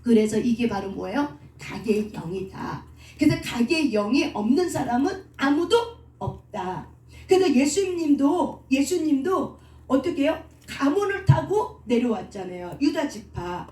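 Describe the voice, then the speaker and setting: A woman's voice: sits high, big pitch swings, measured pace, dark tone. Distant, echoey woman preaching. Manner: asks the congregation questions and answers them herself. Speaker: pastor. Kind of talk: sermon.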